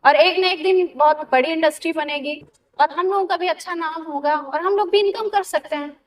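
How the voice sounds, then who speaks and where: A woman's voice: very high-pitched, moderate pace, distant mic. A woman actress talking earnestly about her work in an interview, with a Bagheli-region Hindi accent. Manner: steady, earnest, reflective. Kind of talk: casual interview talk.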